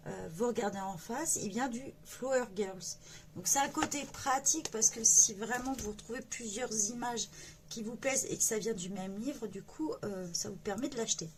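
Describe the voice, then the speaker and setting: A chatty woman with a fairly high voice talks her viewers through a coloring book at an easy pace. She hesitates often and fills her pauses as she goes. A faint hum of ambience sits behind her. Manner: chatty, hesitant with many fillers. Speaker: coloring channel host. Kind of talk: casual book flip-through.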